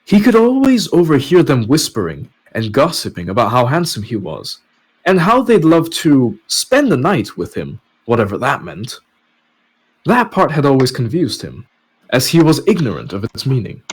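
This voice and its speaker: Guy reading a novel chapter on a podcast, animated pitch, storytelling style. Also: normal speed, breathy edge. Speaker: podcast host and narrator. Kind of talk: story narration with casual asides.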